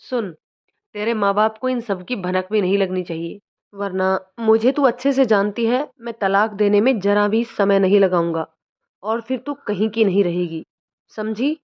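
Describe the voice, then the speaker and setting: A woman's voice: mid-range voice, moderate pace, natural voice. A woman voicing an angry young husband who makes blunt threats, in a dull lo-fi recording. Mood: threatening. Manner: menacing, blunt.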